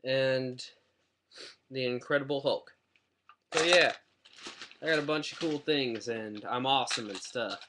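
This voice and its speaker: A man's voice: medium pitch, unhurried, long pauses, sharp tone. A man chatting casually in a rambling, self-deprecating way while reviewing a toy on his webcam at home. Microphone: webcam mic.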